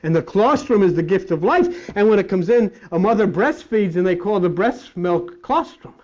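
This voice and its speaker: Fiery high-voiced male preacher, lo-fi. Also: expressive, moderate pace. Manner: fiery, blunt, preacherly with sudden loud and hushed swings. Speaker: spiritual teacher. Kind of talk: sermon-style lecture. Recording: dull lo-fi recording.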